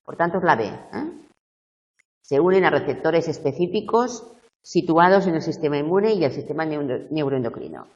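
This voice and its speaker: A woman university tutor going over exam questions slowly, checking whether her students follow. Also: sits low, expressive, far from the mic, highs cut off.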